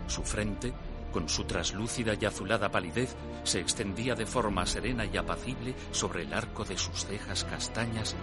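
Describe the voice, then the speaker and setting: An actor playing a pious priest who recounts his youth in solemn, measured, literary radio theatre narration. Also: sits low. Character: pious male priest recalling his innocent youth and temptation. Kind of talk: dramatic first-person radio theatre narration. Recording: music under the voice. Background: music.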